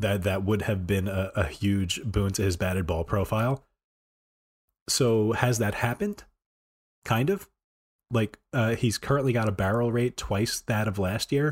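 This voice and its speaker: A man with a fairly low pitch and a somewhat breathy voice talks at a moderate pace, with ordinary pitch variation and very even loudness. The recording is very clean with a silent background, and he leaves long, frequent pauses. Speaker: fantasy baseball podcast co-host. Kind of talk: casual chat.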